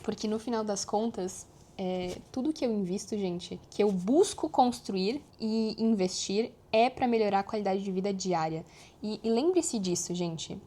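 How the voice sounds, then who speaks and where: A young woman vlogging, chatting to her viewers in a lively, animated way. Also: mid-range voice, normal speed. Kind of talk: casual chat to camera.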